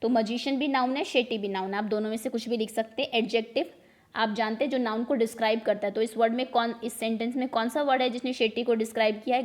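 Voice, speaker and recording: A woman teacher with an Indian accent going over exam revision questions, explaining in Hindi and mixing in English words and sentences. She reads each question out slowly, then explains it at a quicker pace. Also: on the high side, a little mellow.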